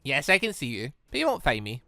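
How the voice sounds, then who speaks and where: A sly villainess from a visual novel read by a man, teasing and calmly menacing. The delivery is measured, in a bright, dry-sounding voice. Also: mid-range voice, gravelly, dry recording, voice pushed down, exaggerated voice. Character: sly, menacing woman villain taunting by phone.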